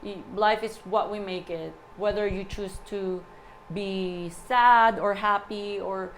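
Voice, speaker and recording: A woman's voice: medium pitch, steady tone, rough recording. Forties lady guest on a chat show, stops n restarts a lot, faint hiss behind. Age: 40s. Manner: halting, repeats words, many "you know". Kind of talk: casual chat.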